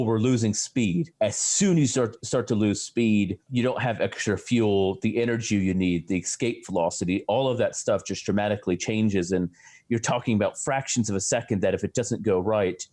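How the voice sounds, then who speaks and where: A low-pitched American man talks through a science story. He is chatty and loose, with many restarts and fillers. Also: darkish tone. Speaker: astrophysicist co-host. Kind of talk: casual science chat.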